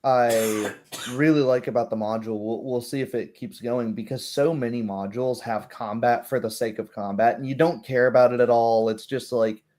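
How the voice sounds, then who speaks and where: A man's voice: mid-range voice, steady tone, normal speed, darkish tone. A man chatting casually about tabletop games, acting out little asides as he explains. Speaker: tabletop roleplay show host.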